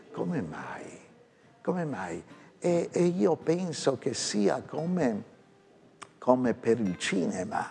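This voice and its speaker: Over noticeable background noise, a man with a fairly high pitch speaks very slowly, with very wide pitch swings and long, frequent pauses. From Sicily. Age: 70s. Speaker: veteran photographer. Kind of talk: interview.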